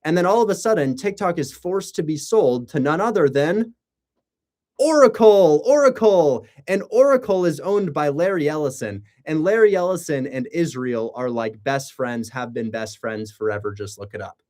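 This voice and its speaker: A man's voice: on the high side, animated, moderate pace, darkish tone. A man chatting casually on a livestream, rambling with sarcastic asides and rhetorical questions. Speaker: live streamer and real estate wholesaler.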